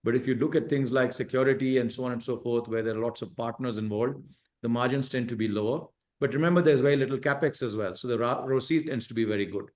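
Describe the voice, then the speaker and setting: A man speaks as a senior executive on an earnings call. He is methodical and measured, laying out his points one by one at a medium pitch. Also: darkish tone. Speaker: company executive answering analysts. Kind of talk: earnings call answers, explanatory.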